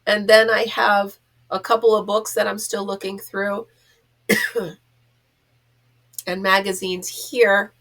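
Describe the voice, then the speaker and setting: A woman's voice: mid-range voice, level tone, takes it slowly, long pauses, fairly bright tone. A middle-aged or older woman chatting casually in a rambling, self-deprecating way on a vlog, stuffed up from a cold so she sounds like her nose is pinched. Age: middle-aged or older, a grandmother. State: stuffed up from being sick. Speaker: host of a crochet vlog.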